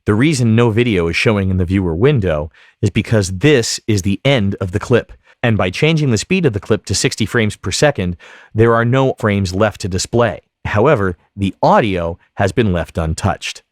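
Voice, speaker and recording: A man narrating a software tutorial as an instructor, explaining each step methodically. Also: fairly low pitch, expressive, moderate pace, dry recording, studio quality. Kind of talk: instructional screen-recording narration.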